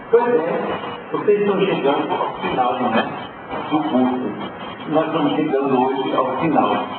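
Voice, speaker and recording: Man, teacher, emphatic, provocative, rhetorical questions, high voice, tinny lo-fi sound, loud room ambience. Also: very noisy. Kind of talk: spiritual lecture to a class. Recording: distant, phone-like, echoey hall recording with loud ambience.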